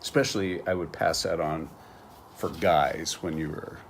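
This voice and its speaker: An American man, middle-aged, teaching a slang lesson with slow, patient explanations and examples. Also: very deep voice, fairly even intonation, slight background noise.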